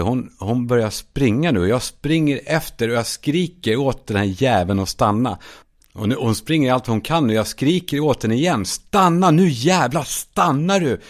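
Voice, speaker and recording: A man hosting a solo comedy podcast, telling absurd stories in a deadpan way and now and then shouting out quoted lines. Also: medium pitch. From Sweden. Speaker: podcast host.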